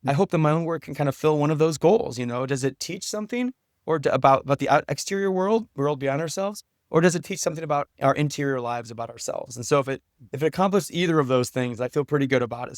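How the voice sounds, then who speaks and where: A man with a slightly high-pitched voice talks as an interview guest. He is earnest and reflective, thinking his way through answers. The sound is close and dry, with no room echo. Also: fast. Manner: earnest, thoughtful. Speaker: podcast guest, writer and teacher.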